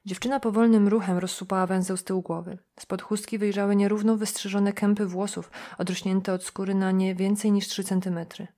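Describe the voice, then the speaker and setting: A woman narrating an audiobook in a calm, even reading voice. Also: medium pitch, a little fast, hardly any pauses. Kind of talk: scripted narration.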